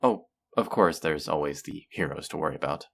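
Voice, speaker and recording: A man playing a suave, pleasant supervillain in a scripted audio roleplay, speaking in a polished, measured, theatrical and amiable way. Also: rumbling low, creaky, a bit bright, full character voice. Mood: reassuring, amiable. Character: suave, pleasant male supervillain interviewing a minion recruit. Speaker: voice actor. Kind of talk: scripted roleplay audio drama, conversational monologue.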